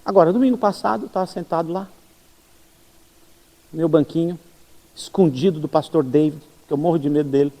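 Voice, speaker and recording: A Brazilian-accented man preaching a sermon as a pastor. He tells funny stories about himself and acts out the dialogue with lively energy. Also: fairly high pitch, a little fast, long pauses, big-room sound. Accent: Brazilian Portuguese. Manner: animated, self-mocking storyteller who acts out dialogue. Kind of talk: sermon with humorous anecdotes. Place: church service.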